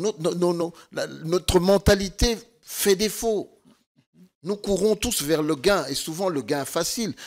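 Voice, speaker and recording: Speaking very slowly against a quiet background, the man has a high voice with ordinary pitch variation. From DR Congo, Kasai-Central (Kananga); Kasai-Central, DR Congo. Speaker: former presidential press adviser; guest. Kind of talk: political talk-show interview. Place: studio. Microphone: studio mic.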